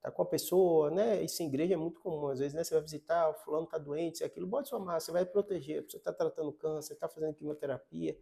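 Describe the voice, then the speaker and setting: A brisk Brazilian man, a surgeon talking to his viewers in a relaxed, conversational way. His voice sits a little high but sounds warm and mellow, and he keeps checking in with little tag questions as he explains. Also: vocal fry. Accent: Brazilian Portuguese. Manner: conversational, frequent tag questions, repeats points. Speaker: neurosurgeon giving health advice. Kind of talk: casual explanatory talk to camera.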